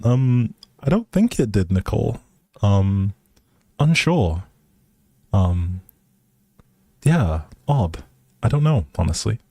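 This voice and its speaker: A man's voice: on the low side, big pitch swings, slow pace, pauses often, mellow, no echo, studio quality. A man casually chatting with viewers as he hosts a game stream, easygoing and rambling in a hesitant way. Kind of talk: casual chat with viewers while gaming.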